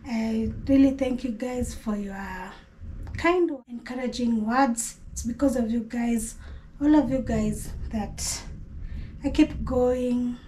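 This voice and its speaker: A woman's voice: on the high side, slow, warm tone, slight background noise, low-quality recording. A middle-aged woman with a Kenyan accent, chatting casually to camera as she cooks in a small kitchen. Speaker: cooking vlogger. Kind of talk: casual vlog talk to camera. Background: rain and thunder outside.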